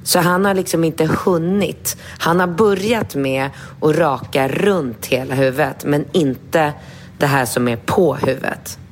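A woman, co-hosting a casual podcast chat. She tells an animated story, acts out quotes in a high voice and swears casually. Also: slight background noise. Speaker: podcast co-host.

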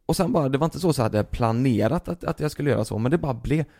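Swedish-speaking guy with a gravelly voice, cursing away, venting in a loose podcast chat. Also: medium pitch. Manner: profane, venting, animated storytelling. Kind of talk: casual chat.

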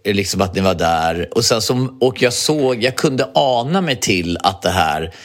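Lively low-voiced man in casual chat. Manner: reacting, rambling with restarts and laughs. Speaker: podcast co-host.

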